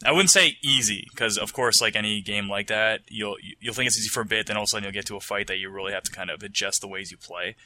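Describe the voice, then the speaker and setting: A man's voice: fairly low pitch, fast, hardly any pauses, pushed and bright. A man co-hosting a casual chat about games, blunt and swearing casually.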